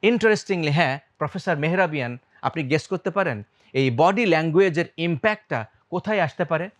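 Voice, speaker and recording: Lively Bangladeshi man teaching public speaking. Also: a little high, brisk. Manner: quizzes the audience, shifts loudness and speed on purpose; mixes English words into his talk. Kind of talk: lively talk to the audience.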